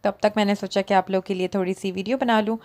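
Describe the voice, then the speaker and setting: Mom vlogger, thirties, from Pakistan, chatty and direct, recorded on a phone. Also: female voice, medium pitch, steady tone, fast talker, a little mellow. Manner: chatty, addressing viewers directly. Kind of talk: casual vlog narration to camera. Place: indoor mall, then parked car.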